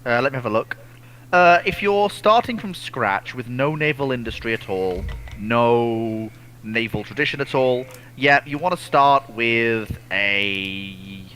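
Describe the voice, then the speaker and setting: A man's voice: medium pitch, measured pace, pushed and bright. A man co-hosting a casual expert chat, speaking emphatically and repeating himself for weight, recorded with some noise. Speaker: co-host answering viewer questions. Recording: clearly audible background noise with clicks.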